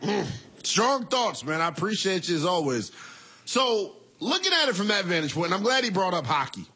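A man in his twenties hosting a call-in sports talk show, animated and laughing as he banters with callers. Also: high voice, moderate pace, breathy edge. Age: 20s.

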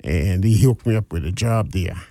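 Guyanese man in his sixties, halting. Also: low-pitched, vocal fry, warm tone, no echo. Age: 60s. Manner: hesitant, many fillers and restarts. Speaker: guest business owner. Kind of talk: interview.

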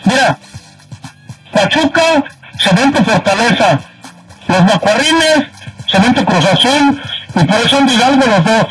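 A man's voice: very high-pitched, expressive, a little slow, pauses often, a bit bright, breathy edge, far from the mic, soft background music, poor audio. A man calling in to a sports radio show, from Mexico, talking casually and stammering through many restarts. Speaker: caller.

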